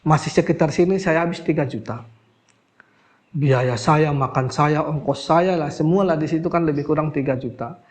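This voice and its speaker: Middle-aged male healer, interview storytelling; lively quoted voices, sinks low and soft when recalling hardship. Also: moderate pace. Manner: animated, acts out quoted voices, voice drops when recalling crying. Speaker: alternative healer. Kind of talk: emotional personal storytelling.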